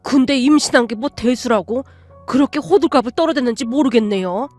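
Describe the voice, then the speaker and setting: A woman doing a harsh, shouting old father. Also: sits high, brisk, faint music behind. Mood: scornful, shouting. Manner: shouting, contemptuous. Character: harsh, bullying older father, short-tempered.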